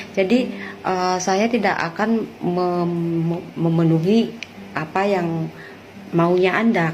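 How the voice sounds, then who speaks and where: A woman's voice: mid-range voice, a little mellow, a little hiss or hum. A woman from West Sumatra, speaking casually and insistently, repeating her points with rhetorical questions. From West Sumatra, Indonesia. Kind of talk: casual spoken rebuttal to viewers.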